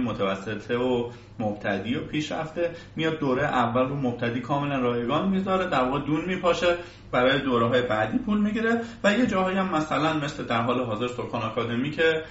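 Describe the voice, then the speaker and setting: A man's voice: mid-range voice, fairly bright tone. A man interviewing someone in a conversational style. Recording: echoey distant mic, muffled, faint hiss.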